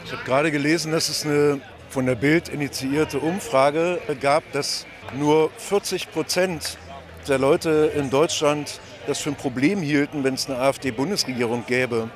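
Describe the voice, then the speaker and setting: A man's voice: a little high, fairly even intonation, a little slow, crowd noise. A man reporting and interviewing on a market square during a rally, with dry, wry remarks.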